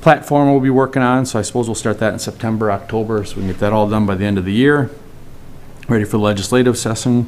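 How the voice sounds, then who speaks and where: A man's fairly low voice in an American accent, with fairly even intonation over light background noise. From US Midwest. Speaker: county commissioner. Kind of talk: public meeting discussion. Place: meeting room. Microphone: podium.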